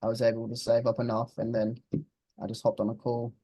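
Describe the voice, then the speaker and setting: A young man of about twenty chats in a relaxed, blunt way, swearing now and then. His voice is mellow and warm, and the recording sounds dry and close. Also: medium pitch, fairly quick, slightly rough, no room sound, rough recording. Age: 20s. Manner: laid-back, blunt, swears casually. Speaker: interviewed client. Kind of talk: casual interview chat.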